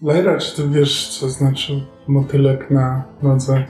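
A man's voice: mid-range voice, little pitch movement, takes it slowly, a little mellow. A man playing in a tabletop role-playing game, improvising lines in character. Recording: roomy sound with faint music.

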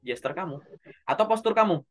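A man's voice: high-pitched, a little fast. Man coaching casually over faint music. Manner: relaxed, conversational, directly addressing the learner. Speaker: job interview coach. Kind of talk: casual online coaching session.

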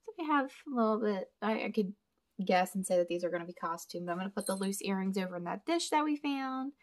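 A woman's voice: mid-range voice, expressive, fast. A young woman chatting casually to viewers as she sorts jewelry at a table, thinking aloud. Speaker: storage unit reseller and vlogger. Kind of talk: casual chat while sorting jewelry. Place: indoors at a table. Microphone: camera over a table, hands only in frame.

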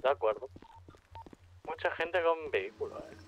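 A man's voice: fairly high pitch, normal speed, highs cut off. A man chatting casually with other players during an online roleplay game. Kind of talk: casual roleplay chat while gaming.

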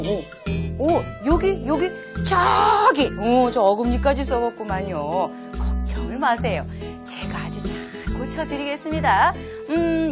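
Comic skit: woman as a bubbly dentist, high and sing-song, playfully overdone. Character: chatty, upbeat dentist soothing a patient. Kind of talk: comic skit in a lesson video.

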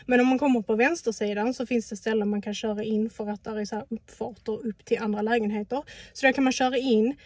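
A woman's voice: fairly high pitch, steady tone, few pauses, a little mellow, no echo. A young woman vlogging in casual chat about her shopping, talking freely and swearing when annoyed.

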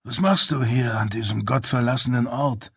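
A man's voice: medium pitch, normal speed, slightly rough, dry recording. Wounded male prisoner, tired and wry, read by a man in a plain voice, dry sound. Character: wounded, stubborn male prisoner and former soldier. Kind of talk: audiobook character voice.

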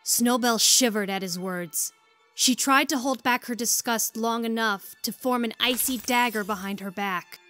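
A woman's voice: on the high side, a little slow, fairly bright tone, no room sound, faint music behind. A woman narrating a scripted story as the narrator of an audio drama.

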